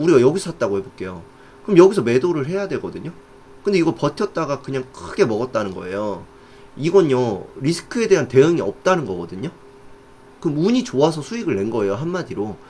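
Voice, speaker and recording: A man's voice: mid-range voice, a little hiss or hum. A man teaching stock trading in a casual explanatory style, often checking that listeners follow along. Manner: animated, often asks "아시겠죠?" to check understanding.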